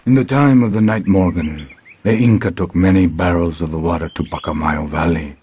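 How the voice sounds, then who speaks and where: An actor playing a solemn tribal chief recounting legends in a measured way in a game cutscene, with faint background noise. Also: male voice, low-pitched, dark tone, close to an everyday voice. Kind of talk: dramatic game cutscene storytelling.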